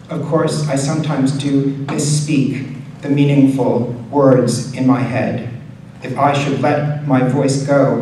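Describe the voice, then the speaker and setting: A man reading poetry aloud as a poet, in a measured, deliberate delivery with pauses between short phrases. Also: mid-range voice, warm tone. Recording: very echoey room, distant mic, faint noise.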